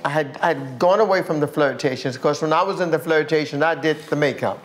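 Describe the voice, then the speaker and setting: An older American singer, appearing as a guest in a casual interview, tells animated stories full of restarts and repeated words. Her voice is low-pitched and brisk.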